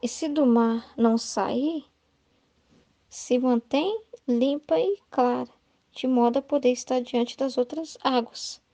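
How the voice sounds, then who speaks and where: A woman doing a pious soul pleading with her Lord, in a high, gravelly voice. The sound is close and dry, with no room around it. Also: slow, mellow, no room sound. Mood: earnest. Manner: fervent, pleading, heightened. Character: devout woman pleading with Jesus.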